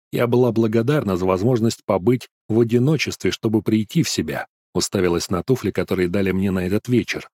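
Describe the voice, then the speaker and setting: A man narrates an audiobook with a low, steady voice. His reading is even and measured. The sound is close and dry, with no room echo. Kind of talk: scripted first-person fantasy narration.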